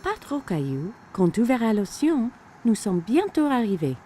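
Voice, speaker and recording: A woman voicing a caring, gentle young mother in a children's cartoon, reassuring and motherly. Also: fairly high pitch, sing-song, moderate pace, faint music behind.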